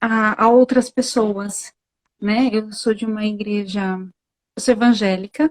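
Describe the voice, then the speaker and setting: In a dry, close sound with no echo, a woman speaks at a fairly slow pace in a normal speaking voice, fairly high in pitch, with fairly even intonation. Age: 30s. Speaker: evangelical minister. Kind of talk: personal testimony in consultation.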